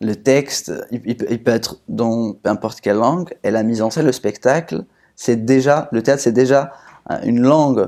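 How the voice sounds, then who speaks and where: A man speaks at medium pitch with ordinary pitch variation and a moderate pace. His tone is dark and mellow, on a very clean recording with a silent background. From Algeria (Oran). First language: Darija (North African Arabic) (speaking French). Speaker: actor and theatre maker. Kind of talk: interview. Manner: halting, many repetitions.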